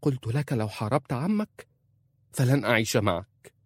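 A man reading an audiobook voices a defiant young Arab wife, pleading and insistent, raising his low voice for her. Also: animated, moderate pace, breathy edge, dry recording.

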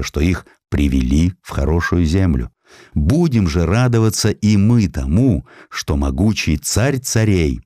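A man's voice: low-pitched, mellow, dry recording, clean studio sound. A man voicing a bold, commanding hussar officer in a formal, declamatory way for a historical audiobook.

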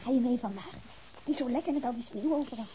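A woman's voice: a little high, fast talker, warm tone, a little hiss or hum, close to an everyday voice, poor audio. An actress playing a playful young woman at home, teasing and coaxing in an informal, naturalistic radio drama style.

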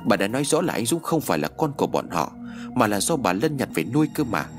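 A man's voice: mid-range voice, big pitch swings, brisk, music in the background, close to an everyday voice. A man voicing a desperate young wife and mother who pleads in anguish in a spoken story.

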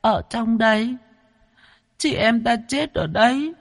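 A man's voice: very high voice, expressive, a little slow, bright, forceful tone, big-room sound, voice pushed up, heavily acted. A tiny ghost girl of about five, put on by a male narrator, wailing and defiant in a storybook tale. The voice jumps far up into a thin child's register and swings wildly. She sounds tearful and stubborn.

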